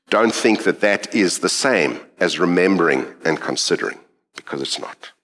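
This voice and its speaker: Preaching with earnest reflection and thoughtful pauses, this middle-aged man from South Africa speaks in a South African accent. His voice is on the low side and a bit bright.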